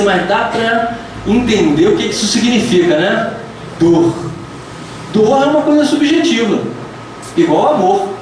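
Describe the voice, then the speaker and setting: A fairly high-voiced Brazilian man gives a chatty, joking public talk and keeps putting questions to the audience. He sounds set back from the microphone in a very echoey hall, with noise audible behind him. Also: distant mic. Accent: Brazilian Portuguese. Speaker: lecturer at a spiritist center. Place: lecture hall of a spiritist center, indoors.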